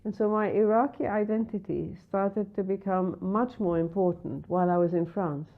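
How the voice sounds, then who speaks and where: A woman from Iraq telling stories in an interview, animated, acting out the voices of people she quotes. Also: mid-range voice, normal speed. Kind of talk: interview recollection. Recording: tinny phone-like sound.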